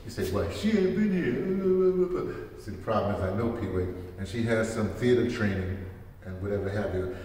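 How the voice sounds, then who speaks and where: A man's voice: fairly low pitch, expressive, moderate pace, a little mellow. A middle-aged man giving an informal workshop talk, explaining things in a colloquial, rambling way. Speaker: workshop leader, producer. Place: large bare classroom, indoors. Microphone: camera a few metres away. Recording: very echoey bare room, distant phone mic, faint noise.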